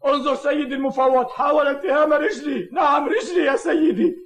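A man playing an excitable, cowardly village hunter in a dubbed cartoon, exclaiming in a frantic, exaggerated way. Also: very high voice, fairly quick. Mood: indignant. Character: excitable, cowardly male villager hunting a dog. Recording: music behind.

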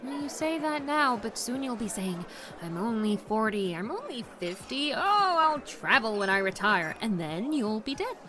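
A woman in her twenties playing a lively, teasing young influencer friend in an audio drama, with music under her voice. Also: fairly high pitch, normal speed, a crowd in the background. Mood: chatty.

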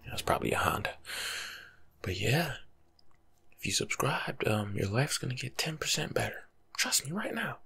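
A young man doing soft-spoken ASMR as a laid-back, rambling life coach, husky and often slipping into a whisper. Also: medium pitch, big pitch swings, normal speed, long pauses. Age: young adult. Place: small room at home.

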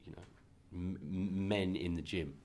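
Deep-voiced congested man. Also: fairly even intonation, measured pace, darkish tone, a little hiss or hum. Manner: rambling, many restarts and laughs. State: congested from a cold. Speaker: filmmaker being interviewed. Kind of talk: casual press interview. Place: festival press room, indoors. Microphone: handheld mic held by interviewer.

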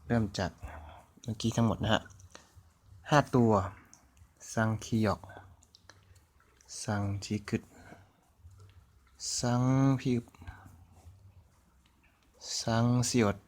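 Thai guy teaching slow n chatty, lowish voice, says each sound over and over. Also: level tone, a little mellow. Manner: slow, chatty, repeating sounds while writing on a board. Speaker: language teacher. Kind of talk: casual online language lesson.

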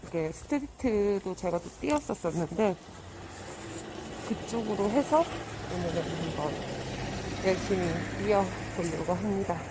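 A woman's voice: medium pitch, unhurried, noisy background. A woman vlogger chatting casually to viewers while running outdoors, out of breath, speaking through a mask into a handheld phone. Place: outdoors on city streets at dawn. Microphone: handheld phone at arm's length, through a face mask.

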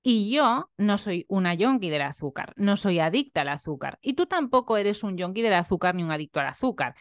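A woman's voice: mid-range voice, animated, brisk, no echo. A young woman nutritionist talking earnestly and openly in a personal vlog, often adding tag questions. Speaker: nutritionist and vlogger. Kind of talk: reflective personal vlog talk.

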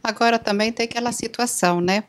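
A woman's voice: a little high, steady tone, fast talker. Conversational woman host. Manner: conversational, personal, reflective. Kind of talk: interview, casual chat.

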